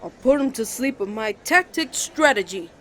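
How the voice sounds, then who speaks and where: A man's voice: extremely high pitch, lively intonation, normal speed, fairly bright tone, a little hiss or hum. A man playing a jealous, flustered young student, a protective twin brother with a dramatic manner, in an ASMR romance roleplay. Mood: determined. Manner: indignant, dramatic, stammering when flustered.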